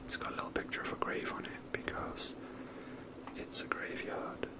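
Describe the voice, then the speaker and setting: Someone whispers a relaxed, rambling commentary while playing a video game, soft and breathy in ASMR style, taking their time.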